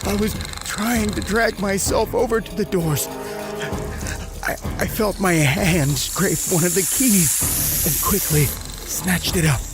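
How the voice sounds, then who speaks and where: An actor playing a terrified, dying man who tells his horror story in a strained, halting way. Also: high voice. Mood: desperate, frightened. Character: terrified, dying man trapped with giant snake. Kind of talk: dramatized horror audio narration. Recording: music under the voice.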